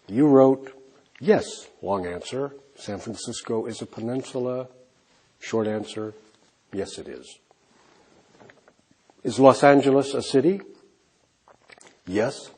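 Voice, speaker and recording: Man, English teacher, slow careful delivery, lively pitch, mellow husky voice. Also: poor audio. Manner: modelling example answers clearly, trailing off softly. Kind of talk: slow, deliberate classroom instruction.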